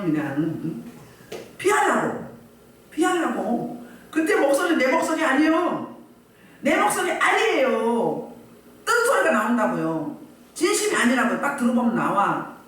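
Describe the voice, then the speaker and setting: Woman pastor, lively preaching voice, rhetorical questions, echoey church hall, distant mic. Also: sits high. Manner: animated, with rhetorical questions to the congregation. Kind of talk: sermon.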